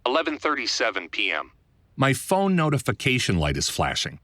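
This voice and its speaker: A man's voice: medium pitch, huge pitch swings, a little fast, pushed and bright, no room sound. A man reading his own first-person book as scripted narration, in a wry, self-deprecating, conversational manner.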